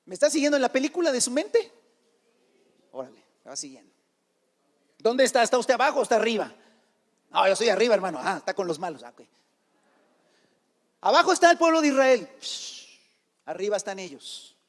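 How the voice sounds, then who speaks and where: A man's voice: high-pitched, big pitch swings, quick pace, long pauses. A man preaching a sermon, retelling a Bible story colloquially and acting out the characters' lines. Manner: colloquial Mexican slang, addressing listeners as brother. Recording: reverberant church hall.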